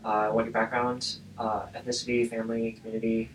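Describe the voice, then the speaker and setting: A man's voice: on the low side, completely flat delivery, brisk, slight background noise, rough recording. A man hosting a podcast interview, asking questions in a friendly way with hesitant uhs. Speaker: podcast host.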